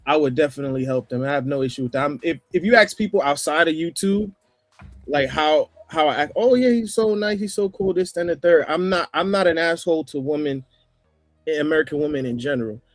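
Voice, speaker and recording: A man with a New York accent talking casually on a livestream panel, rambling, with restarts and throat clearing. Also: a little high, brisk, no room sound, faint music behind. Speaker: panel guest.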